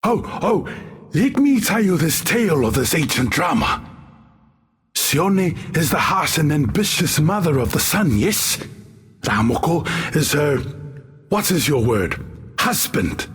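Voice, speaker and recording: A man playing a genial armored tribal warrior who tells old tales theatrically in a husky voice, as game lore. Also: fairly high pitch, big pitch swings, a little slow, full character voice. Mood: animated, gossipy. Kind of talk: scripted in-character lore narration.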